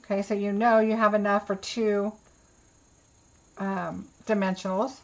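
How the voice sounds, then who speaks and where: A woman leads a hands-on craft class in a casual, chatty way. Her voice sits at an ordinary middle pitch for a woman. She talks through each small step as she works, as if half to herself. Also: level tone, measured pace, vocal fry, poor audio. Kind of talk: casual live craft tutorial.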